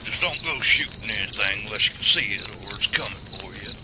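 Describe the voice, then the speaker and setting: A man's voice: animated, a little fast, lightly acted. A man playing a folksy old-timer, talking outdoors at night. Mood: plain talk. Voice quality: drawling, colloquial, deep. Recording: loud cricket night noise.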